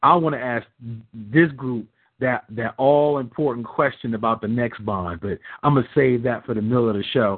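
At a moderate pace, a man speaks in a medium pitch with an animated tone and ordinary pitch variation. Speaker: podcast host. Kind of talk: casual chat.

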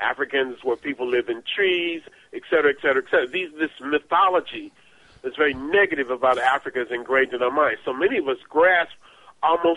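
In an ordinary speaking voice, a man talks at a fairly quick pace and a fairly high pitch. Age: 60s. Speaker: historian and lecturer. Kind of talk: interview on call-in radio.

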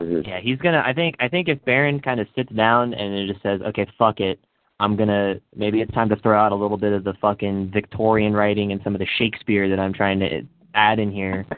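A man's fairly low, plain, everyday voice at a fairly quick pace, with ordinary pitch variation. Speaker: rap battle participant. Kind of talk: casual chat. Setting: remote call-in.

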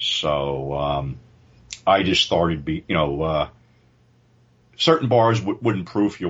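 Speaking at a fairly slow pace with an American accent, a man uses lively intonation in a very deep, low voice marked by vocal fry. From New Jersey. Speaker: exploitation film personality and grindhouse show host. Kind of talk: casual interview. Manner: rambling, heavy use of filler and profanity.

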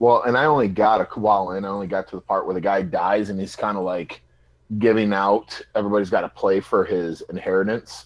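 Speaking very fast, a man uses a fairly low pitch and fairly even intonation. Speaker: podcast co-host. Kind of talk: casual banter.

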